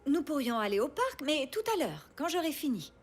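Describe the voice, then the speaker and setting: A patient, kindly cartoon mother, speaking in a high voice with a swooping singsong melody. She reasons gently, as in a preschool show. Music plays clearly behind her. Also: very animated, a little fast. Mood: apologetic, encouraging. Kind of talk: French-dubbed preschool cartoon acting.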